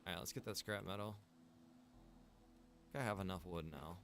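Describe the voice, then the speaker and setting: A man's voice: sits low, moderate pace, fairly bright tone, slight background noise. A man chatting casually as he livestreams a game, rambling along in a laid-back way. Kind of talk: casual livestream chat while gaming.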